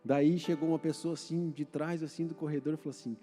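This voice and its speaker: A man's voice: a little high, steady tone, fast, warm tone, big-room sound, faint music behind. A man from Paraná, Brazil, with a Paraná Brazilian Portuguese accent, preaching a sermon in a church and putting questions to the congregation. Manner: conversational, asks the congregation questions. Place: church hall.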